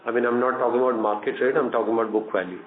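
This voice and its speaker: A man with an Indian accent speaks as a company executive on an earnings call. His delivery is measured and halting, businesslike in manner. The sound is a narrow, echoey phone line with clear noise. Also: medium pitch, steady tone. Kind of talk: answering questions on an earnings call. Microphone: conference phone call. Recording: echoey tinny conference phone line, noisy.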